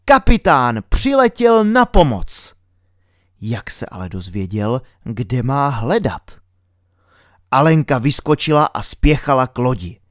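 A man narrating a children's storybook with an expressive, lively reading style. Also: medium pitch, dry recording, studio quality. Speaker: audiobook reader.

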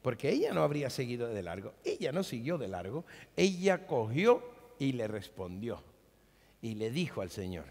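A male pastor preaching a sermon in a church, animated and dramatic, acting out scenes as he speaks. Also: mid-range voice, normal speed, vocal fry. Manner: animated preaching, acts out biblical dialogue. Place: church hall. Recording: long reverb of a large hall.

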